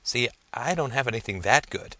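A man's voice: mid-range voice, animated, moderate pace, bright, forceful tone, no room sound. A man playing an earnest, insecure young male student who stammers and hesitates.

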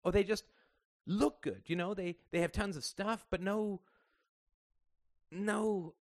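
A man's voice: sits high, slow pace, no room sound, pitched above the performer's own voice. A man voicing a persistent, earnest young schoolgirl who halts and searches for words.

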